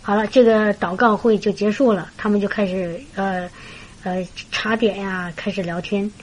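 A woman preaching through a lively story, chatty and full of fillers. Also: mid-range voice, moderate pace, a little hiss or hum, low-quality recording. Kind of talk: storytelling sermon.

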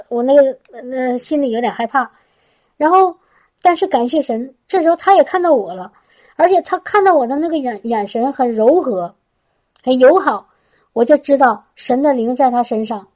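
A woman speaks to a congregation, telling her testimony in a chatty, restarting way. Her voice sits high but sounds mellow and warm. The recording is dull and lo-fi. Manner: chatty, with frequent restarts and a tag particle at phrase ends. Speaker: church speaker giving a testimony.

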